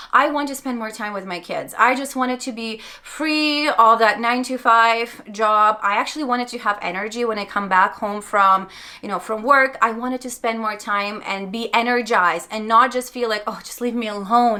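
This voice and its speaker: The delivery is animated, with a bright, sharp tone and a moderate pace. There is a slight Russian accent. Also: woman. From Belarus. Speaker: network marketing seller. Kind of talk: personal story vlog.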